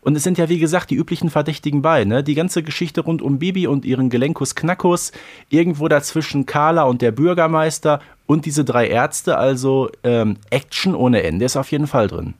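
A man's voice: a little high, brisk. A man co-hosting a podcast in casual chat, matter-of-fact with some fillers. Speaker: podcast co-host.

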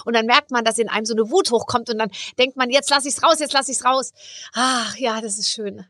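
A woman's voice: on the high side, brisk, fairly bright tone, no echo. A woman in her forties hosting a podcast, bantering in a playful, teasing way with hesitant fillers. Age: 40s. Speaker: podcast host. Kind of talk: casual interview chat.

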